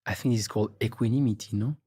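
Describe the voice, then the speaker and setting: A man's voice: on the low side, rapid-fire, warm tone, slightly rough, no room sound, studio quality. A man hosting a podcast interview, agreeable and prompting, often tagging his points with "right?". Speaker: podcast host.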